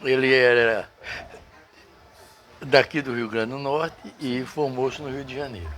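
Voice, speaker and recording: An older man, a doctor reminiscing in casual conversation, halting and searching for names. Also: mid-range voice, fairly even intonation, a bit bright. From Brazil. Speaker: guest doctor.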